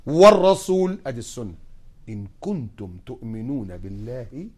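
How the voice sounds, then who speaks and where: A man's voice: mid-range voice, big pitch swings, moderate pace, darkish tone. A male Muslim preacher with an Egyptian Arabic accent, giving a sermon full of sarcastic rhetorical questions.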